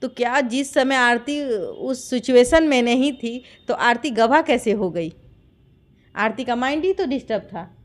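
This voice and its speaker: A woman's voice: fairly high pitch, a little slow. A woman with a Bihari accent giving impassioned interview testimony, insistent and full of rhetorical questions. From Bihar, India. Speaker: interviewee giving her account of a dispute.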